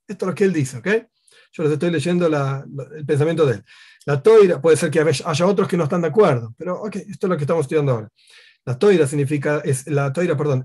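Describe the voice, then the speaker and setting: A man's voice: on the high side, darkish tone, husky. A man teaching a Torah lesson, who explains at length with asides and Yiddish-style Hebrew terms.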